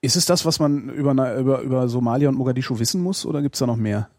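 A male interviewer asking quick, probing questions in a casual talk. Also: mid-range voice, a little mellow, dry recording, clean studio sound.

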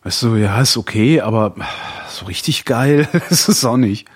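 A man's voice: mid-range voice, moderate pace, breathy edge, no room sound, clean studio sound. A man in his forties co-hosting a podcast, chatting casually, rambling and laughing often. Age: 40s. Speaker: podcast co-host. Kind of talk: casual chat.

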